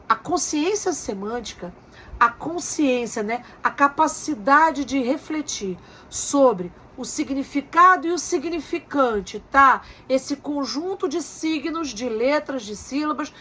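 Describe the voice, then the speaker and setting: A woman's voice: high voice, expressive, slow, sharp tone, slight background noise. A woman giving a recorded lecture as a teacher, explaining step by step with frequent tag questions and rhetorical questions.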